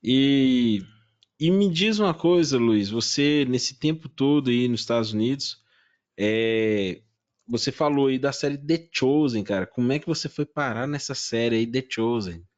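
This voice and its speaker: A man's voice: medium pitch, unhurried. A man with a Brazilian Portuguese accent hosting a podcast interview, eagerly retelling stories in casual chat. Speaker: podcast host. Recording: dull lo-fi sound.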